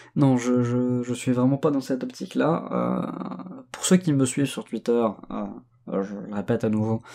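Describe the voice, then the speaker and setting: A man's medium-pitched voice moves with ordinary pitch variation. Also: fairly slow pace. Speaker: YouTuber. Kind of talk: casual vlog monologue. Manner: calm; halting, many fillers and repetitions. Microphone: new better recording gear.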